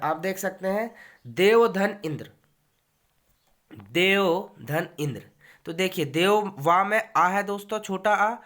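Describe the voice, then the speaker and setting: A male teacher gives a recorded grammar lecture. He talks straight to his students as friends and drags out each example word so they can follow. Short pauses and fillers break up his explaining. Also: fairly high pitch, fairly bright tone. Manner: addresses listeners as friends, repeats examples slowly; frequent hesitation fillers.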